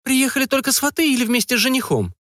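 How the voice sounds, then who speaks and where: A man voicing a fussy, excitable middle-aged mother who fires off anxious questions. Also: extremely high pitch, fast talker, no room sound, clean studio sound, voice pushed up, full character voice. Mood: prying. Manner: fretful, breathless questioning.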